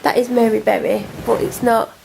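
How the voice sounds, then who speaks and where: A young woman with a cold talks into her camera at home, rambling and self-deprecating. Her voice sits a little high with a gravelly fry at the ends of phrases, and a faint hiss runs behind her. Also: moderate pace, a little mellow. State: congested, snotty from a cold. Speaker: vlogger. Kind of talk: casual chatty vlog to camera. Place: at home, indoors. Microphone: camera mic.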